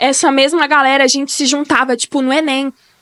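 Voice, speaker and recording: Dry and close with no echo, a woman's high voice moves at a moderate pace with fairly even intonation. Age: 20s. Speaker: preacher. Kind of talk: sermon.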